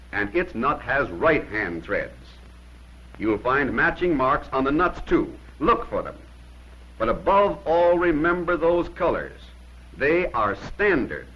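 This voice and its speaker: A man's voice: medium pitch, a bit bright, slightly rough, poor audio. A man narrating a 1950s instructional film in an emphatic, plain-spoken way, giving short commands on an old film soundtrack.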